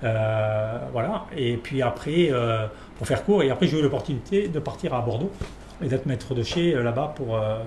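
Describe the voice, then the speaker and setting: A man's voice: medium pitch, lively intonation, normal speed, a little mellow, slight background noise. A man, a winemaker guest talking through his career with a lot of fillers and restarts. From Perpignan, France. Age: 40s. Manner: hesitant, many fillers and restarts. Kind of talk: casual interview. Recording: echoey room with faint ambience.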